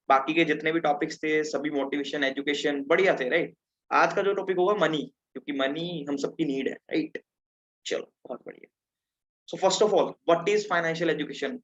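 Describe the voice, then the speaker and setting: A teenage man from Punjab runs an online class over a video call, his voice sitting a little high. He talks in a chatty way, keeps checking in with his audience, and the sound is dull and lo-fi. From Punjab, India. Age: teens. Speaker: webinar presenter. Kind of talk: interactive online lesson.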